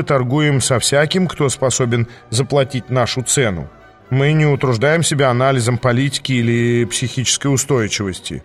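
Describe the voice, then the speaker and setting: A man's voice: medium pitch, natural voice. A man voicing a fawning, wheedling male devil merchant with a whining manner. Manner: whining, ingratiating.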